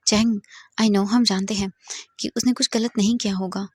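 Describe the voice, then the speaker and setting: A woman voicing a gentle older sister who speaks in a soft, soothing way. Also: medium pitch, fairly even intonation, normal speed, slightly rough, no echo, studio quality, lightly acted.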